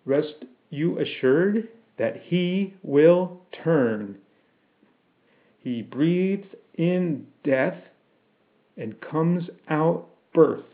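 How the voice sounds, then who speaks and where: A man voicing a metal automaton that speaks in slow, measured, singsong riddles, eerie and solemn, as in an audiobook. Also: on the high side, animated, narrow, tinny audio, pitched above the performer's own voice, exaggerated voice. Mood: eerie, deliberate.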